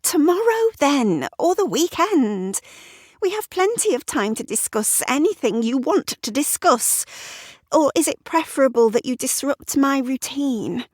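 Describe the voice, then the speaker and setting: A woman voicing a tense, irritable wife who talks in a sharp, exasperated way. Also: very animated, a little slow, no room sound, studio quality. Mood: irritated. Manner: sharp, exasperated, high-strung.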